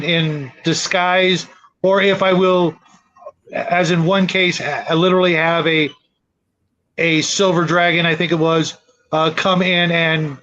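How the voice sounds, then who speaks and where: High-voiced man hosting, slightly muffled. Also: bright, forceful tone. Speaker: host of a tabletop gaming discussion show. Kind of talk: casual panel discussion.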